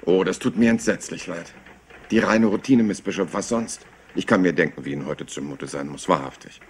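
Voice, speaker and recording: An actor playing a rumpled, apologetic yet stubbornly probing police inspector in a German crime drama, hesitant and folksy. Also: male voice, low voice, brisk, husky. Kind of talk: German crime drama dub, conversational acting.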